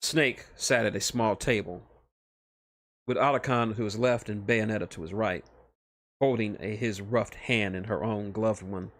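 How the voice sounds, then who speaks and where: A man's voice: on the low side, unhurried, no room sound. A man narrating fan fiction live on a stream, now and then stumbling and rereading phrases.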